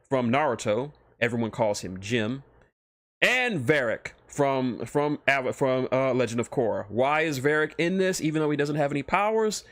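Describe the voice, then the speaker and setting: A man's voice: mid-range voice, dry recording. A man hosting a livestream, chatting casually and rambling with profane, enthusiastic fan talk into a close microphone. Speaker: streamer, host. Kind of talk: casual livestream chat about fan fiction.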